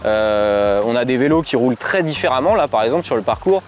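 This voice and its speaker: A Frenchman with a medium-pitched, animated voice talks a little fast while out on a bike ride, casually reviewing a product and explaining as he goes. The recording is clear, with outdoor ambience and traffic noise.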